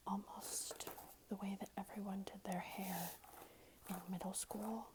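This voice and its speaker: A woman whispering breathily and gently in an ASMR tutorial, explaining things in an unhurried way. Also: medium pitch, level tone, noisy background. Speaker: ASMR creator giving a wig styling tutorial. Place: small room at home, indoors.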